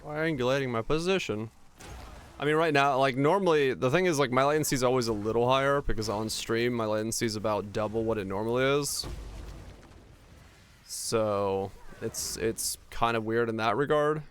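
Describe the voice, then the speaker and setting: A man's voice: medium pitch, normal speed, a little hiss or hum. A young man from Finland with a neutral North American accent, chatting casually and ramblingly with his stream viewers and swearing now and then. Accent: neutral North American English. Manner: laid-back, rambling, swears casually, restarts often. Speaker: game streamer.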